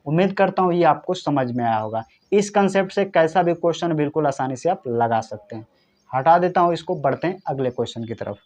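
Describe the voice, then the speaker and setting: A man's voice: on the high side, animated, brisk, a little mellow. A man teaching exam-prep maths, working through problems step by step and talking straight to his viewers. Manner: step-by-step explaining, addresses viewers directly.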